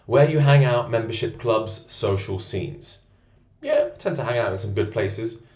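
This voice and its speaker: Rating himself aloud, a men's self-improvement coach delivers a cocky, confident monologue at a moderate pace, his medium-pitched voice expressive. The co-working space around him lends the audio a roomy echo.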